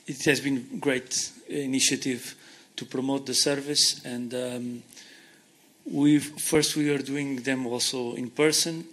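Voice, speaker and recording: A Portuguese-accented man in his thirties, an invited speaker, answers audience questions during a conference Q&A, sitting in an armchair on a hall stage with a handheld mic. Earnest, he gestures with his hands as he explains and restarts often. His medium-pitched voice is slow, fairly even and fairly bright, in a rough recording.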